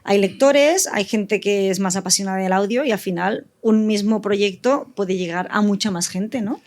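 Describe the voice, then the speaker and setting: A woman's voice: medium pitch, normal speed, a little mellow. Woman on a panel talking shop, mid voice, informal, kinda tentative and rewording as she goes. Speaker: audio fiction writer and panelist. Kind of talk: casual panel discussion.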